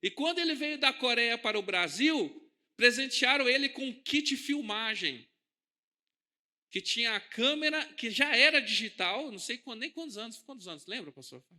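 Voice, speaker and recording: Speaking at a normal speed with an extremely high pitch and lively intonation, a man with a Brazilian Portuguese accent preaches in a church hall. His sermon is conversational, full of questions to the congregation, and alternates between soft and loud.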